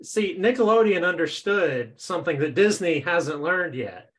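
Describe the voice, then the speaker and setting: Podcast guest, man, fairly high voice, wry joker, casual chat. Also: lively intonation, moderate pace, fairly bright tone. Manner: joking and wry, often laughing. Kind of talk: casual chat recapping a cartoon episode.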